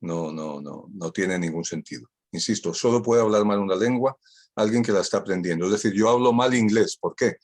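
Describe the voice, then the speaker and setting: An older Catalan-speaking man from Spain delivers a guest talk online over a video call, his voice lowish, a little fast and slightly mellow. Ironic and witty, he keeps repeating key phrases to drive his points home.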